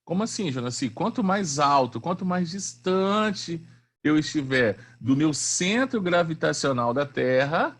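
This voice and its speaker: A man's voice: a little high, animated, takes it slowly, fairly bright tone. A man teaching a physics class online in a chatty, slangy way, often asking the students questions.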